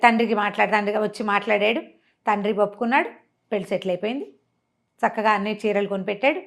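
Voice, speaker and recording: A woman storyteller retelling a story in a conversational, expressive way, mixing in some English words. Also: mid-range voice. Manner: expressive, acts out characters' dialogue.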